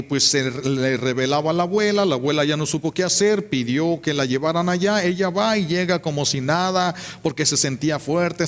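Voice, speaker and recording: A priest preaching a sermon with emphatic, fervent delivery. His voice sits fairly high for a man. It echoes with a long reverb in a church.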